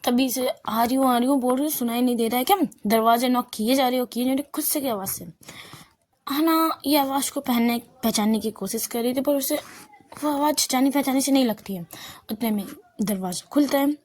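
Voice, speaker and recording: A woman's voice: high-pitched, fairly quick, darkish tone. A woman narrating a love story in a casual, unscripted way, often restarting and correcting herself.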